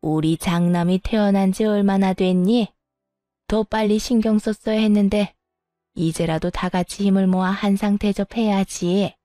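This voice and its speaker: A meddling older mother-in-law who wails over her son and snaps at her daughter-in-law, put on by a woman narrator. She whines and scolds in a storybook revenge tale. The voice is mellow and dry, with faint music underneath. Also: mid-range voice, fairly even intonation, moderate pace, no echo, lightly acted. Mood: scheming. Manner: whining and scolding.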